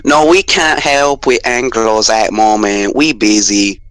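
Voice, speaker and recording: An HQ radio operator with an exaggerated fake Chinese accent, as a man puts it on, barking broken English loudly. The sound is dry and close, with no room around it. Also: on the low side, smooth, no room sound. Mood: mock-suspicious. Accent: put-on Chinese accent. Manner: broken English, loud and halting.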